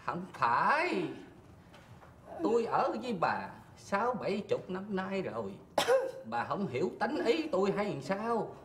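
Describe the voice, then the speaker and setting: A penny-pinching old husband in a stage comedy sketch, with a high, lively voice that swoops around. He drawls slowly, grumbling about the cost of everything. The sound is roomy, with faint noise behind. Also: heavily acted. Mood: teasing. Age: older.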